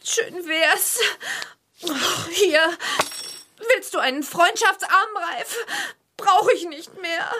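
A woman's voice: very high-pitched, takes it slowly, noisy background. A woman playing a sulky, emotional thirteen-year-old witch girl in a children's audio drama. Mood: hurt, sulky.

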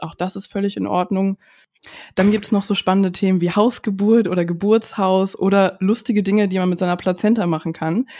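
A woman's voice: mid-range voice, darkish tone. A woman hosting a podcast with a stuffy, nasal voice from a cold, speaking in an upbeat, chatty way as she leads the talk. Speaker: podcast host. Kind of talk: casual podcast chat.

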